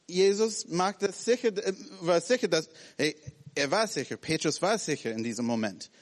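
Animated preacher man in a reverberant hall. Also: on the high side, normal speed. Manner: animated, acts out scenes in short broken phrases. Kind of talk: sermon.

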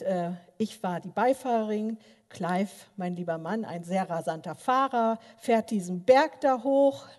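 Older woman preaching in a reverberant hall. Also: fairly high pitch. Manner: animated storytelling, many filler sounds, addresses listeners directly. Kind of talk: sermon with personal stories. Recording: long reverb of a large hall.

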